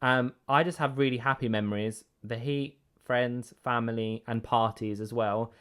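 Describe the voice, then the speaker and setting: A man's voice: mid-range voice, moderate pace, clear, resonant tone. Man with an English accent, easygoing podcast co-host, mid-range voice. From Greece. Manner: relaxed, chatty, with fillers. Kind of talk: casual podcast chat.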